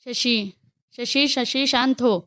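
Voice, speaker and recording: A woman playing a gentle young woman in a storybook, soothing and pleading as she calms someone she protects. Her voice is fairly high, smooth and clear, recorded dry and close. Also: takes it slowly, dry recording.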